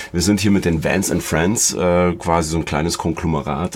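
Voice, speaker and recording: Amid noticeable background noise, a man talks with a very deep, low pitch and fairly even intonation. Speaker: podcast host. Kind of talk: casual chat. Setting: in a camper van at a trade fair.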